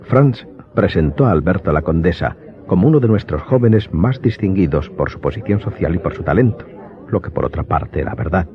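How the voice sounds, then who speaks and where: A man with a deep voice narrates a radio drama in a measured, literary way. His intonation is lively, and the slightly muffled recording carries music behind him. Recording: dull lo-fi sound, loud music behind.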